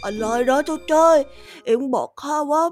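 A woman voicing a quiet, thoughtful village boy in a children's audio story, reasoning calmly and modestly in rustic, familiar talk. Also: high-pitched, normal speed, music in the background, close to an everyday voice.

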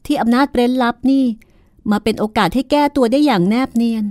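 A woman's voice: fairly high pitch, quick pace, darkish tone, no echo, studio quality, pitched above the performer's own voice, natural voice. A woman voicing a proud, cold older sister who speaks in a cutting, sarcastic way.

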